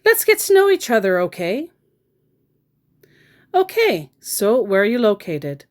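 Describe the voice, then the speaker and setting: A pushy grown man working an online scam, as a woman puts him on, with a high, bouncing voice. He is chirpy and sweetly overfriendly, and every line rises and falls. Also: wildly swooping pitch, unhurried. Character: pushy adult male online scammer, overly friendly.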